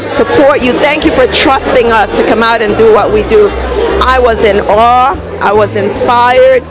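An effusive woman interviewer working a busy event. She repeats her phrases in an upbeat way, with loud music and a heavy crowd behind her. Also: a little high, normal speed. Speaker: interviewer, video host. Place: busy public event venue.

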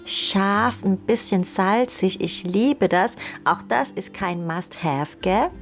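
Unhurried, playful young woman narrating a recipe. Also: medium pitch. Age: young adult. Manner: playful, enthusiastic. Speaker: cooking vlog host. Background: music behind the voice.

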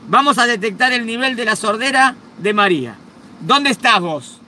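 A man doing a calm reassuring doctor. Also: very high-pitched, normal speed, a little hiss or hum, full character voice. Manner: soothing, instructive.

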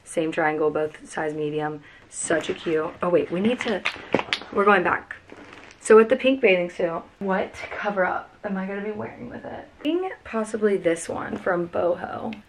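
Chatty young woman, low-ish voice. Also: moderate pace, slight background noise. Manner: chatty, gushing, lots of "like" and "freaking". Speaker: vlogger. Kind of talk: casual packing vlog. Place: cluttered bedroom, sitting on the floor.

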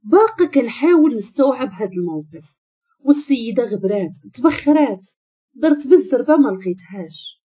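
A woman with a Moroccan accent narrating a first-person story in an expressive, indignant way. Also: fairly high pitch, brisk, slightly rough, dull audio.

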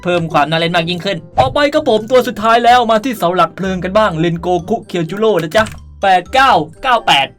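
This gaming host talks quickly, with a mid-range voice and lively intonation. She walks through a casual game tutorial and reads item codes, playful and chatty with cutesy endings, over background music.

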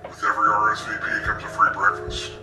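A man's voice: fairly low pitch, monotone, quick pace, recorded from a distance, natural voice. Man playing a sinister therapist in an echoey ad. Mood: salesman pitch. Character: sinister male therapist pitching his weekend retreat. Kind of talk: mock radio advertisement. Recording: roomy echo, off-mic, music underneath. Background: clear music.

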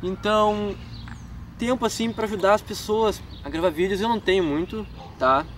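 In a casual park vlog, a young gaming YouTuber with a gaúcho accent from Rio Grande do Sul, Brazil, answers questions from fans, dropping filler tags and self-deprecating laughs. He has a high voice and a moderate pace. Outdoors in a wooded park, he is captured by a camera mic several feet off, with outdoor noise.

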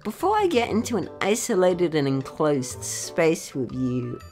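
An earnest little cartoon dragon boy acted by a woman with a showy announcer's patter. The pitch jumps around eagerly, and light music plays underneath. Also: wildly swooping pitch, a little slow, darkish tone, heavily acted. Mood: curious. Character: young male baby dragon, earnest, chirpy event announcer. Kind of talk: cartoon parody dub. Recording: music behind.

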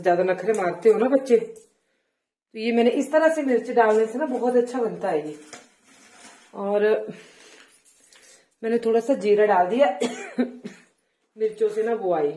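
A middle-aged woman with a Himachali Hindi accent chats loudly and grumbles a little while she cooks. Her voice sits at an average pitch. It comes from a phone placed some way off in a home kitchen, with a roomy echo around it. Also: normal speed, pauses often. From Himachal Pradesh, India. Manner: chatty, complaining, talks loudly. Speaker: cooking vlogger. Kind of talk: casual cooking vlog chat. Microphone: phone placed away from her. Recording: roomy phone audio from a distance.

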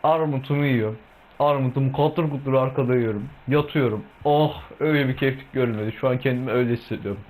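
A man's voice: medium pitch, fast, darkish tone, a little hiss or hum, rough recording. A young man hosting a casual gameplay video, rambling and swearing freely as he eats while he talks. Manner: chatty and rambling, munching food while talking, swears freely. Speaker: gaming video host.

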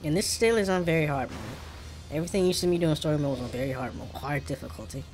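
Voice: mid-range voice, fast, a little mellow. Casual gamer with African American English accent, music behind. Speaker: gaming streamer. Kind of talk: casual gameplay commentary.

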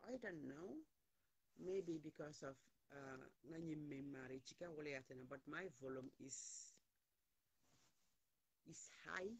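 A woman's voice: on the low side, darkish tone, breathy edge. A woman in her forties hosting a phone live stream, talking heatedly and repeating lines for emphasis. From Gambia. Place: indoors, small room, plain wall. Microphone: phone at arm's length.

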